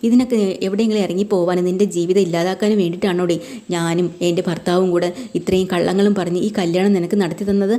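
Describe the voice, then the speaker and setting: A woman voicing a brisk middle-aged mother who scolds her daughter but reassures her. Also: lowish voice, fairly even intonation, warm tone, natural voice.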